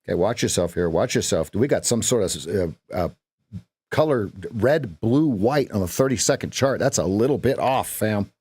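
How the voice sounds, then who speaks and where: A man's voice: lowish voice, expressive, moderate pace, a little mellow, husky, dry recording, studio quality. A man hosting a live day-trading stream, chatting with viewers and repeating phrases as he watches the market.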